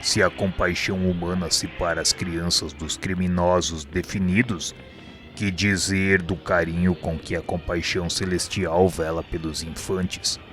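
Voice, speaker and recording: An actor playing a grave, wise spirit mentor in a radio drama, speaking in a solemn, formal, teaching manner. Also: male voice, low-pitched, flat delivery, a little slow, fairly bright tone, soft background music. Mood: grave, compassionate.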